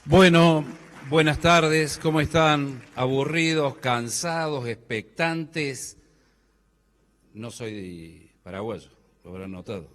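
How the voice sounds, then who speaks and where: A middle-aged man with a Cordoban Argentine accent speaks on a stage microphone in a large hall, and his voice sits somewhat high. He jokes with the audience and throws questions at them, and his words ring out with a long hall reverb. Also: slow pace, a bit bright. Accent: Argentine Spanish, Córdoba. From Córdoba, Argentina. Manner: joking, quizzes the audience with questions. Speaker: speaker at a business conference. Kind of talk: conference talk to a live audience.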